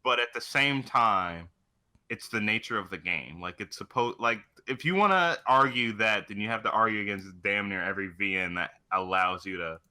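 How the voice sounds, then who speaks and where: A man's voice: on the low side, normal speed, sharp tone. A man chatting casually as co-host of a video game show, swearing freely as he goes. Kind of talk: casual chat.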